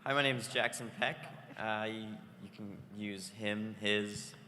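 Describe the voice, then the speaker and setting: A teenage high school student speaking on a panel, hesitant, with many fillers and restarts. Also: male voice, fairly even intonation, measured pace, bright, forceful tone. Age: teens. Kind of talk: panel remarks. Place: convention hall. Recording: hall reverb, faint noise.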